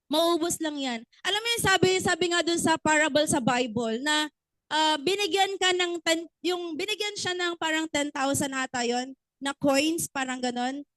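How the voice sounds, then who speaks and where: A woman's voice: sits high, moderate pace, fairly bright tone, no echo, rough recording. A woman giving a motivational business training talk, often asking the audience questions and acting out little stories.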